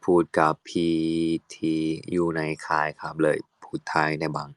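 Young male actor, low-pitched and unhurried, dry close phone sound, playful casual fan chat. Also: monotone, a bit bright, dry recording. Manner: chatty, playful, switches into halting English.

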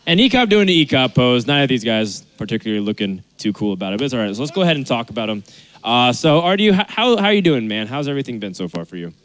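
Quick-talking male esports host. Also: medium pitch, very animated, fairly bright tone, no room sound. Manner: upbeat, teasing. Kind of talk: live pre-match interview.

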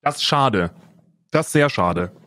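A man's voice: medium pitch, lively intonation, unhurried, pushed and bright, no echo, studio quality. A man co-hosting a casual podcast, rambling with many restarts. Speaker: podcast co-host. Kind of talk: casual chat.

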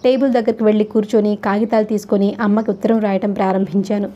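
Mellow-voiced woman reading a novel. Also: mid-range voice, level tone, fast talker, a little hiss or hum. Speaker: audiobook narrator. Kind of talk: first-person novel reading. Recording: slightly dull lo-fi recording.

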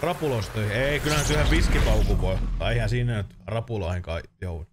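A man's voice: fairly low pitch, very noisy. A man in his thirties streaming a game, chatting casually, joking and swearing often. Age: 30s. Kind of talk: casual let's-play commentary.

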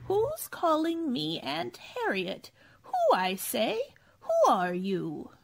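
An actress playing an eccentric little old aunt in a radio play, with a quavering voice, repeating herself abruptly. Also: female voice, high voice, huge pitch swings, slow pace, vocal fry, slight background noise, exaggerated voice. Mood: suspicious, sharp.

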